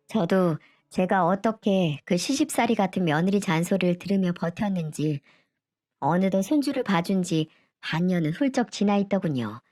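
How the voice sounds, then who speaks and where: A woman narrating a first-person story in a steady, plainly read way. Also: medium pitch, no echo, studio quality. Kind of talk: scripted story reading.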